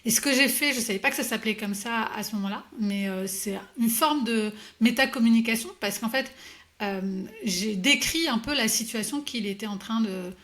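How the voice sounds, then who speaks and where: A woman's voice: fairly high pitch, moderate pace, fairly bright tone. Hesitant woman guest telling a story. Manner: hesitant, many fillers and restarts, reflective storytelling. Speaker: executive coach, podcast guest. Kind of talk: conversational interview answers.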